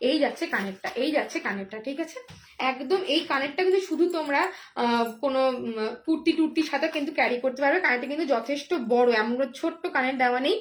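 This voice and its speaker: A hoarse woman selling jewellery on a live stream, chatty and repetitive, with many fillers and drawn-out phrases. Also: sits high. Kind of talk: live sales pitch.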